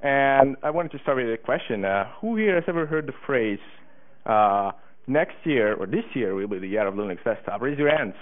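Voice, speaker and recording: A man's voice: medium pitch, expressive, normal speed. An eighteen-year-old man from Hungary giving a conference talk, eager, with many fillers and restarts. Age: teens. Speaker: conference speaker. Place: conference room. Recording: tinny phone-like conference recording.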